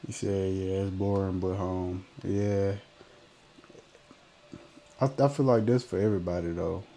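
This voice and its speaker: A man's voice: low-pitched, steady tone, unhurried, dark tone, a little hiss or hum. A man in his twenties with a Memphis accent, chatting casually on a live stream, reading viewer comments in a laid-back, slangy way. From Memphis, Tennessee. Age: 20s. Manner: laid-back slang, trailing off mid-sentence.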